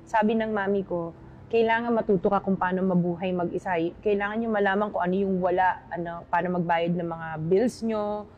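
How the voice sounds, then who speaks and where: A woman in her forties, raised partly in the United Kingdom, answering interview questions in a soft, hesitant way with many fillers. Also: mid-range voice, fairly even intonation, a little fast, lo-fi sound, slight background noise. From United Kingdom and the Philippines. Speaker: interview guest.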